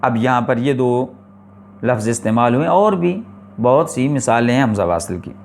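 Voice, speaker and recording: A man teaching the rules of Quran recitation in a classroom lecture, explaining slowly and deliberately, repeating his points and asking rhetorical questions. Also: mid-range voice, big pitch swings, vocal fry, slight background noise. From Pakistan.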